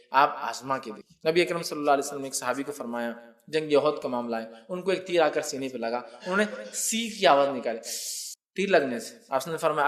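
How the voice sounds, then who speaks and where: High-voiced man giving a casual religious talk. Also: a bit bright. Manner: explains with everyday examples, keeps asking the listeners if they follow; conversational and unscripted, with restarts and asides. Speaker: Islamic preacher.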